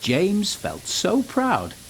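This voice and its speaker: A man's voice: high voice, huge pitch swings, extremely slow, gravelly, slight background noise, poor audio. A man narrating a scripted children's story as storyteller.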